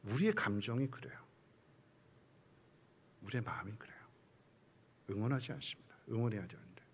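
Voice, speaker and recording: A man's voice: medium pitch, animated, fairly quick, breathy edge. A man preaching a Sunday sermon as a church pastor in South Korea, acting out quoted voices and sometimes dropping to a whisper. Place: church sanctuary.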